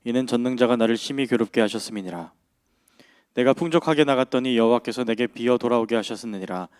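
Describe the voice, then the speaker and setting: Man reading scripture in a smooth voice. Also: mid-range voice, darkish tone, no room sound, clean studio sound. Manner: measured, formal reading.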